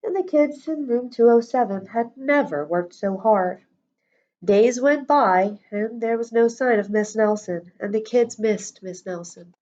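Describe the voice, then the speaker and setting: A woman reading a children's storybook aloud in an expressive, deliberate schoolteacher's manner. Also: on the high side. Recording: dull lo-fi audio.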